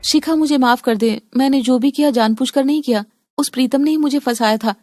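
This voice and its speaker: A woman's voice: sits high, brisk, a little mellow, soft background music. Woman voicing an ashamed, begging young woman. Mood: pleading. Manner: pleading.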